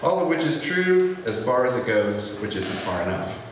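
Amid strong room echo and light background noise, a man speaks at a moderate pace with very wide pitch swings. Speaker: music writer and panel moderator. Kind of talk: panel discussion. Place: meeting room.

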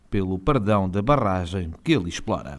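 A man in a European Portuguese accent speaks with lively intonation. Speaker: news reporter. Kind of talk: news reading. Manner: formal.

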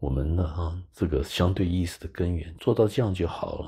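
On a very clean recording with a silent background, a man speaks at a moderate pace in a very deep, low voice with a dark, mellow tone and vocal fry. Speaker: spiritual teacher. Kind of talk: spiritual talk.

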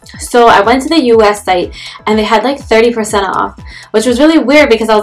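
Faint music plays behind a woman who talks at a fairly quick pace with ordinary pitch variation. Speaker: beauty vlogger. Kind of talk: casual vlog chat.

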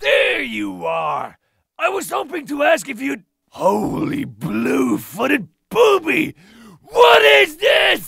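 Speaking at a very slow pace, a man uses a raised, projected voice. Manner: loud, excitable, jealous.

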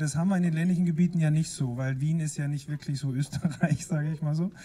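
Somewhat breathy, with a dark, mellow tone, a man speaks at a fairly quick pace with fairly even intonation. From Austria, Styrian Alps; Austria. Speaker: harbour boat company boss; talk show guest. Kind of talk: talk show interview. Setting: live talk show, outdoors by the club. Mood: relaxed, cheerful. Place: bar. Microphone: handheld.

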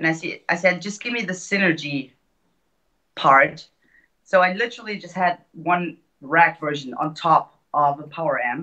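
This woman's tone is bright and sharp. She keeps a moderate pace, with big swings in loudness. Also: fairly low pitch for a woman, ordinary pitch variation, quiet background. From Germany. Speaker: rock musician; guest. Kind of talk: casual interview. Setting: video call. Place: home room. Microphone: video call.

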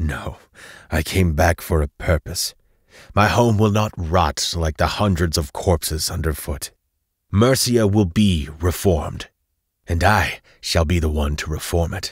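A man puts on a booming character voice with a very deep, low pitch. He speaks at a fairly slow pace in a very clean recording with a silent background. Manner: pompous, scornful, menacing.

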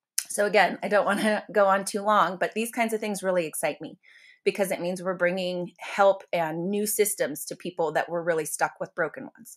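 A woman with an American accent uses a plain, everyday voice at a medium pitch and fairly quick pace. Her pitch variation is ordinary, her loudness swings widely, and the recording is very clean with a silent background. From US, Colorado. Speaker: humanitarian aid worker in blockchain. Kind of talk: interview.

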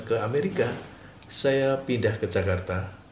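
With audible room echo and noticeable background noise, a man talks at a moderate pace with lively intonation. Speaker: motivational educator. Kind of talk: scripted narration.

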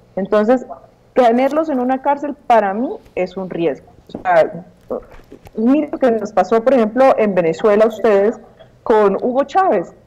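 A woman at a fairly slow pace, with lively intonation. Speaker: guest. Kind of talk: casual talk. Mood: firm, indignant political opinion. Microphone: video call.

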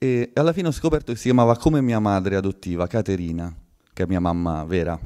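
A very fast man's voice, fairly low, dark and mellow, with very wide pitch swings over a quiet background. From Rome, Italy; Italy. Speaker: rapper and rap workshop teacher; rap workshop teacher. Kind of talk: inspirational talk. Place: hall. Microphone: handheld.

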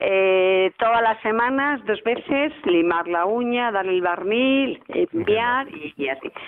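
A fairly high-pitched woman's voice at a very slow pace with very wide pitch swings. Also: hardly any pauses. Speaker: caller. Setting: phone call.

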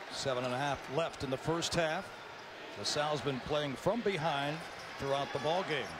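A man's fairly high voice at very even loudness, over noticeable background noise. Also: ordinary pitch variation, moderate pace. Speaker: play-by-play announcer. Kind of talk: live sports commentary. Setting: arena broadcast.

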